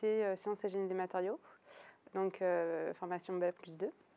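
In a monotone, flat delivery, a woman speaks at medium pitch. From southern France, Nîmes. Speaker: master's student. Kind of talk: testimonial interview. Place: hall. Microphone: lapel.

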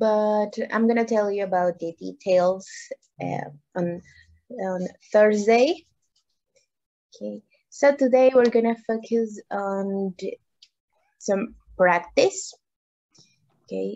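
Slow, dark and mellow, the voice moves at a very slow pace with ordinary pitch variation and long, frequent pauses over a quiet background. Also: woman. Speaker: English teacher. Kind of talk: online lesson talk to students. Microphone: webcam.

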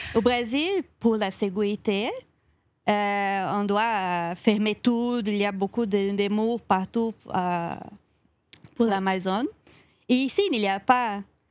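A woman's medium-pitched voice with a Portuguese accent, very slow in pace, broken by long, frequent pauses. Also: fairly even intonation, very clean recording, silent background. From Brazil. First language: Portuguese (speaking French). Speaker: immigrant worker. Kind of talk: casual interview. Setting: outdoors by a lake. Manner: halting, searching for words.

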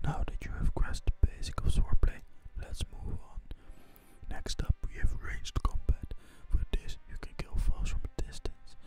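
Someone whispers in a relaxed tone at a moderate pace. Music plays in the background. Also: man. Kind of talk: gaming ASMR commentary. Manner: whispered, relaxed.

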